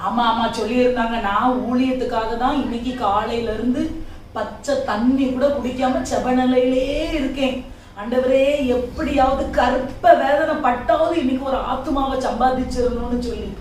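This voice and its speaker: A woman playing a sharp-tongued, devout wife who scolds her husband and grumbles to herself, in an amateur family skit. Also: high-pitched, fairly even intonation, normal speed, slight background noise, lightly acted. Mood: polite. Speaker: quarrelsome wife in a church skit. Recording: echoey room, far from mic.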